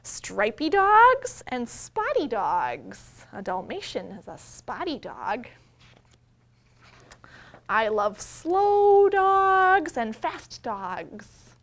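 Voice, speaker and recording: Woman, children's librarian. High voice, simple child-directed talk, storytime read-aloud with drawn-out emphasis. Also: wildly swooping pitch, a bit bright. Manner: simple explanations, questions and invitations addressed to young children.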